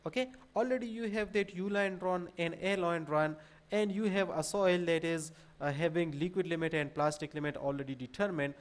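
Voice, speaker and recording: A man in his thirties with a South Asian accent giving an explanatory lecture, hesitant and repetitive, with frequent pauses. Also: on the high side. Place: small indoor room at a desk.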